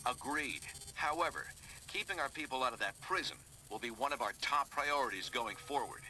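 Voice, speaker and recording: An actor playing an earnest, resolute male leader, briefing a team in a measured, serious way in a game cutscene. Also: animated, sharp tone, rough recording. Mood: determined. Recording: clear background rumble of ambience.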